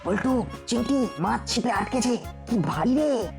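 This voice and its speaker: Child hero for cartoon: high-pitched, earnest, plucky, animated, music underneath. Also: female voice, unhurried, creaky. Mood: straining.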